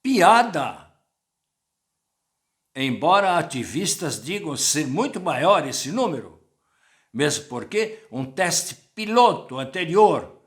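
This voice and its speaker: An older man, a journalist, giving a reflective spoken commentary that quotes sources and asks rhetorical questions. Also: on the high side.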